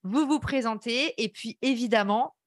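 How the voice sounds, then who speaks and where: A woman's voice: on the high side, moderate pace, no echo, studio quality. A woman with a slight English-tinged accent in French, teaching a podcast workshop in a chatty, enthusiastic way and speaking straight to her audience. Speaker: podcast course instructor.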